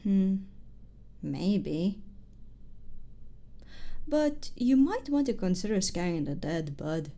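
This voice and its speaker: A woman's voice: medium pitch, very animated, slow, long pauses, dark tone. A woman voicing a chipper, friendly little robot companion in casual, playful game banter.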